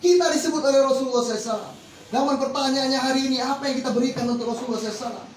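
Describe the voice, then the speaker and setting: High-pitched, fast Muslim preacher man, echoey. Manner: exhortatory, repeatedly addressing listeners with rhetorical questions. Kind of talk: religious sermon to an audience. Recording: echoey, distant mic with faint noise.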